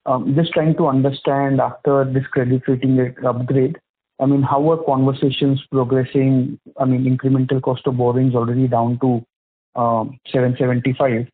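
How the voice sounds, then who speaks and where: Male financial analyst, Indian accent. Husky voice, halting roundabout questions, low-fi phone conference sound. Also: little pitch movement, phone-quality sound. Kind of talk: earnings call questioning. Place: telephone conference call.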